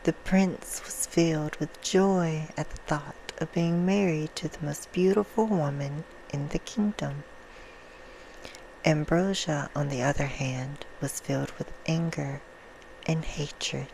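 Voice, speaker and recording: A woman playing a vampire who reads a bedtime story in a hushed, soothing ASMR roleplay style. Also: low-pitched, fairly even intonation, takes it slowly, gravelly, slight background noise, full character voice, rough recording. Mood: soft, storytelling. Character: female vampire reading a soft bedtime story.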